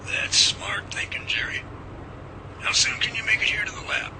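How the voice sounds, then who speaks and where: A man's voice: little pitch movement, moderate pace. A man playing a friendly, earnest science professor in an amateur radio drama, speaking in a genial, folksy, explanatory way. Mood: businesslike. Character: friendly, earnest male science professor running Bigfoot lab. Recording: very noisy track, loud ambient rumble.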